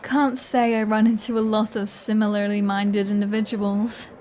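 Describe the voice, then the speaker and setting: A woman's voice: mid-range voice, level tone, a little mellow, close to an everyday voice. A woman playing a flirty, playful vampire who teases in a chatty, self-assured way, as in an intimate roleplay audio. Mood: teasing flirty. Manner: teasing, chatty, unhurried.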